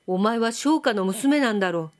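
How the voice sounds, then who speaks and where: A woman's voice: on the high side, lively intonation, moderate pace, natural voice. Young samurai man, earnest, firm, voiced by a woman reader, audiobook. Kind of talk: audiobook reading.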